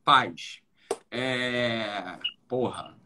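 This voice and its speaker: A man's voice: mid-range voice, extremely slow, very noisy. A man hosting a live stream, talking in an emphatic, casual way. He repeats himself insistently and speaks bluntly, sometimes swearing.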